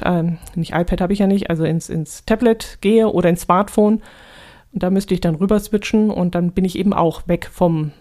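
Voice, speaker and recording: A woman's voice: medium pitch, a little mellow. Chatty woman hosting a podcast. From Allgäu, Germany. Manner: chatty, with frequent ähm fillers and little laughs. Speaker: podcast host. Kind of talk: casual solo podcast chat.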